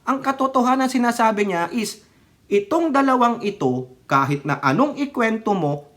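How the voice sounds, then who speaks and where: A woman's voice: medium pitch, fairly bright tone. A woman vlogger giving opinionated political commentary, switching between Tagalog and English mid-sentence and scolding with rhetorical questions. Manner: rhetorical, scolding, keeps asking "right or wrong?".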